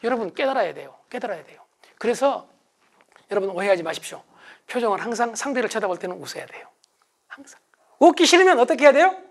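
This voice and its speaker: Animated middle-aged male lecturer. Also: very high-pitched, fast, vocal fry, long pauses. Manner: animated, acts out quarrels in raised voice. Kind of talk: motivational lecture.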